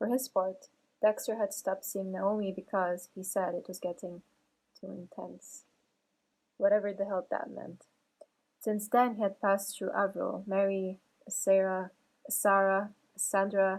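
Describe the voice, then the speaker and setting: Soft-spoken and gentle in tone, a woman talks in a monotone, flat way with big swings in loudness and long, frequent pauses. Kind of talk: soft-spoken ASMR book reading for sleep. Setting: ASMR with tapping and paper sounds close to the microphone. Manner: soft-spoken, gentle.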